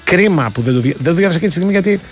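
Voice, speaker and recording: A Greek man trading casual sports talk on the radio. He argues in an animated way and keeps restarting his sentences. His voice sits a touch high, with a faint music bed behind him. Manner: animated, argumentative, many restarts.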